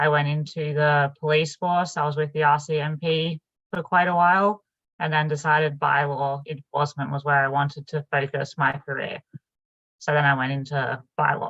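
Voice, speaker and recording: A woman with an Australian accent at a moderate pace, with a very deep, low pitch and monotone, flat intonation. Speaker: bylaw officer. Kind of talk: brief self-introduction at meeting. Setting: joining remotely.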